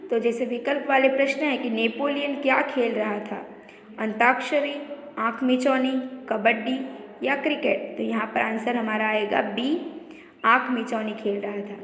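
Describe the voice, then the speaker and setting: A woman's voice: high voice, a bit bright. A woman teacher going through a school revision lesson, explaining step by step and listing word pairs. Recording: echoey room reverb.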